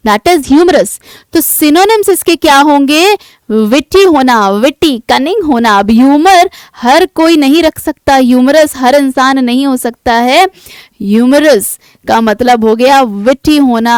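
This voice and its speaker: A woman with an Indian accent teaching English vocabulary in a lecture, asking the class questions and answering them herself, reading definitions slowly and deliberately. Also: high-pitched, clear, resonant tone, no room sound.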